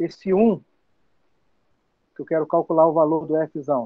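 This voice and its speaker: A man with a high pitch at a fairly slow pace. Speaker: math tutor. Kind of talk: online tutoring lecture.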